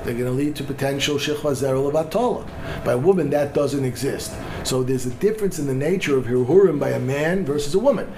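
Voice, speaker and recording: A man's voice: medium pitch, fast, mellow, slight background noise. A middle-aged man teaching a class on Jewish law as a rabbi, discursive and full of Hebrew legal terms, often restarting his sentences. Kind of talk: lecture on Jewish law with audience questions.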